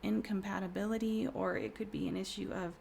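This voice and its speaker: A woman in her thirties doing a casual tarot reading, hoarse from a cold, speaking softly and often in a whisper with many fillers. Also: mid-range voice, fairly even intonation, brisk, a little hiss or hum. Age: 30s. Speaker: tarot reader.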